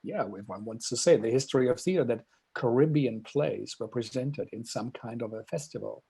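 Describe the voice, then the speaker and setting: A man with a gravelly, husky voice hosts an interview. His tone is mellow and dark. He speaks hesitantly and searches for his words as he asks questions. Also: mid-range voice, moderate pace. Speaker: host.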